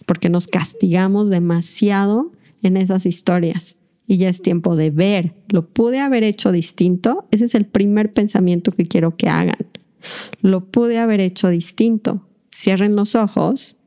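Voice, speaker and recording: A woman's voice: medium pitch, mellow. A woman hosting a reflective self-help podcast from her bedroom, earnestly guiding listeners through exercises. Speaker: podcast host.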